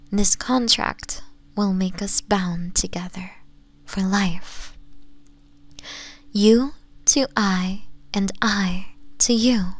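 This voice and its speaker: An actress plays a nine-tailed fox woman in an intimate ASMR roleplay, doting and possessive. She speaks very slowly in a soft, breathy voice that often sinks to a whisper, tender yet quietly commanding. The sound is close and dry. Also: mid-range voice, no room sound. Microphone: close, dry microphone.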